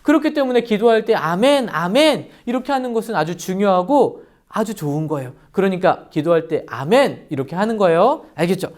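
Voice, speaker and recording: Animated man preaching to children. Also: sits high, quick pace. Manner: animated, acting out quoted voices. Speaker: children's pastor. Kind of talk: children's sermon storytelling. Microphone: lavalier mic.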